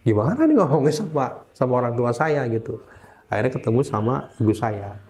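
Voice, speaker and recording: A man in easygoing conversation tells a personal story at a mid-range pitch. He slips into the voices of the people he describes and often hunts for the right word along the way. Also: fairly quick. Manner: animated, acts out the voices of people in his story; searches for words with frequent fillers. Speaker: interview guest recounting a religious conversion.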